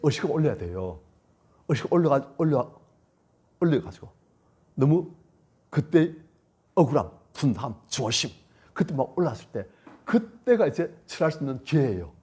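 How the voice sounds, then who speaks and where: A male pastor preaching a sermon, emphatic and repetitive, swinging between loud lines and hushed ones. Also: mid-range voice, sing-song, normal speed, pauses often, breathy edge. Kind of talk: sermon at a church retreat.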